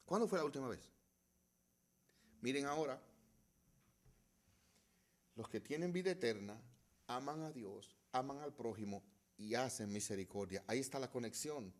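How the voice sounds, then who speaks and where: A middle-aged male pastor preaching a sermon, swinging between loud, emphatic passages and hushed ones, and asking the congregation rhetorical questions. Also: medium pitch, normal speed, pauses often.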